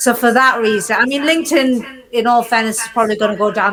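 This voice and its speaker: Over noticeable background noise, a woman talks very fast at a fairly high pitch with ordinary pitch variation. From North East England (Geordie, Tyneside). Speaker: author and business coach. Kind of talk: casual interview chat. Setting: Facebook Live video call.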